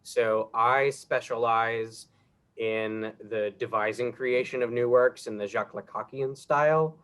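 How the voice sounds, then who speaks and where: A man's voice: on the low side, a bit bright. A young man, an acting student, talking at length about his classes and projects on a video call panel. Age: young adult. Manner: chatty, explains at length. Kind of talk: casual panel talk. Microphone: video call mic.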